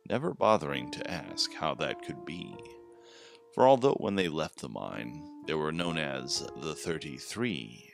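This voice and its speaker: A man hosting a horror fiction podcast, giving announcements and then reading the story in a slow, hushed, dramatic way. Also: rumbling low, gravelly. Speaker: podcast host and narrator. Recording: music playing behind the voice.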